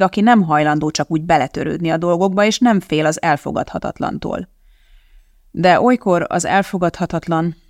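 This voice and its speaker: An audiobook reader plays a troubled male scientist in a storybook reading, gentle and earnest, speaking in a gravelly, creaky tone. His voice sits in a middle register. The sound is dry and close to the mic. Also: medium pitch, no echo, close to an everyday voice.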